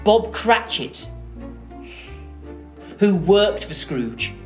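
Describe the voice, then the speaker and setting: A woman storyteller performs for children with theatrical flair. She takes her time, phrasing deliberately with lively swings of pitch, as soft music plays faintly behind her.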